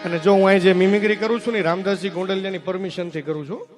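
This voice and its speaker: A man's voice: high voice, rapid-fire, soft background music. A young man telling folk comedy stories on stage, slipping into character voices. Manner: lively storytelling, jumping between character voices. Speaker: comedian and mimic.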